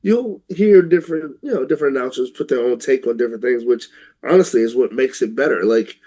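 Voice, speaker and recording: A man's voice: mid-range voice, a little fast, dark tone. A man co-hosting a casual talk show, giving informal opinions and rephrasing as he goes.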